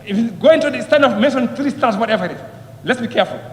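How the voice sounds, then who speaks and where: Racing along at an extremely high pitch with lively intonation, a male MP makes a passionate speech in the chamber, hammering repeated phrases and rhetorical questions as the hall echoes with long reverb.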